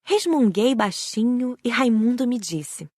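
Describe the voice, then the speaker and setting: A woman's voice: on the high side, lively intonation, unhurried, a little mellow, dry recording, clean studio sound. A woman with a Brazilian accent reading a scripted first-person audiobook story. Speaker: audiobook narrator.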